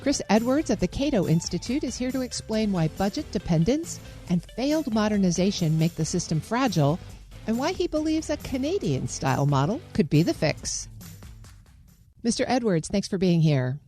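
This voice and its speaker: A woman's voice: mid-range voice, sing-song, moderate pace, warm tone, soft background music. An American woman hosting a news interview. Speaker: radio interviewer and host.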